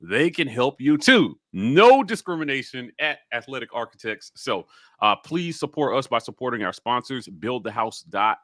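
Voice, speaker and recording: Man, sports show co-host, bright punchy voice, medium pitch, dry sound, chatty, enthusiastic, casual. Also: very animated, normal speed, dry recording. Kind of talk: casual sponsor read and banter.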